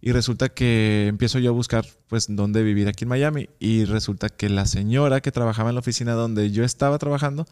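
Animated Mexican man telling a story. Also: mid-range voice, a little fast, few pauses, smooth. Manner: animated, acts out quoted dialogue. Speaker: guest. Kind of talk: casual storytelling interview.

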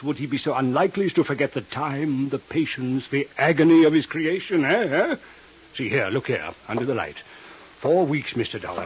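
An actor playing a vain, fussy master jeweler with florid, grandiose speech in a 1950s radio drama. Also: male voice, medium pitch, slightly rough. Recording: dull vintage 1950s radio recording.

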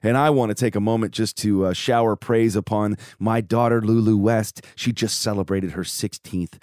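A man with a hoarse voice hosting his podcast, upbeat and joking in casual chat. He grew up in Chicago. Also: on the low side, fairly even intonation, normal speed, darkish tone, no echo, studio quality. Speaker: podcast host. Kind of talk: casual podcast monologue and interview. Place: home studio.

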